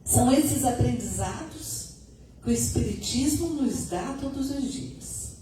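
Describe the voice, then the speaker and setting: A middle-aged woman giving a conversational spiritist lecture, her voice still a little hoarse. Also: on the high side, lively intonation, measured pace, warm tone, far from the mic. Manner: conversational, adds tag questions. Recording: echoey room, recorded from afar, noisy.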